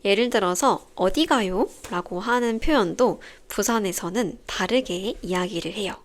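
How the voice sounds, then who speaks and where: A young woman hosting a podcast for language learners, explaining in a calm, clear, carefully paced scripted way. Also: medium pitch, moderate pace. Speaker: Korean teacher podcast host.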